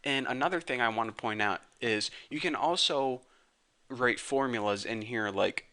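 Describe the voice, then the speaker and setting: Man, coding tutorial host, bright tense tone, slangy, joking, casual. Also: mid-range voice, moderate pace. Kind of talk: casual screen-recorded tutorial.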